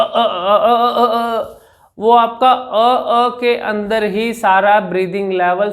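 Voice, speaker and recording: Indian man, hindi accent, high-pitched, speech coach, slow drawn-out demo words. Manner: slow drawn-out demonstration of vowels, repeats "ठीक है ना". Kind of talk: spoken lesson to camera.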